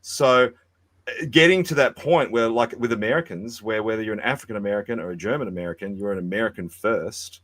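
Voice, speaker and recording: An Australian man arguing forcefully and sardonically in a podcast debate, often repeating words as he goes. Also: on the low side, fast talker, no echo. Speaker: debate guest.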